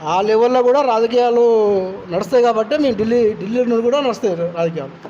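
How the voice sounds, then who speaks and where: A man, an activist giving halting opinions in an interview. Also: extremely high pitch, dark tone, dull audio, a little hiss or hum. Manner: halting, restarts often.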